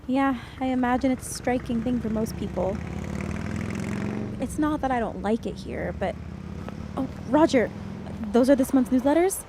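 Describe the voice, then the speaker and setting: A woman's voice: high voice, moderate pace, pauses often, very noisy. An actress playing an anxious, homesick young woman with a wry streak in an audio drama, speaking casually. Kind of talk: acted dialogue in an audio drama podcast.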